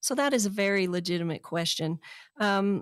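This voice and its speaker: A woman has an unremarkable speaking voice at a medium pitch, with ordinary pitch variation and a moderate pace. The recording is very clean, with a silent background and a dry, close sound with no echo. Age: 50s. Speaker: financial advisor. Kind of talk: radio talk show. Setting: radio studio.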